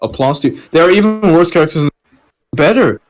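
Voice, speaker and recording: Lively, mock-dramatic man chatting. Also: a little high, a little fast, low-quality recording. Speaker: podcast host. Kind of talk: casual group chat, commentary.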